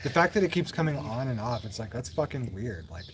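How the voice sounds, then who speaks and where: A man's voice: mid-range voice, sing-song, fairly quick. A man co-hosting a podcast, chatting casually with laid-back, curse-laden remarks. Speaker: podcast co-host. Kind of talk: casual chat.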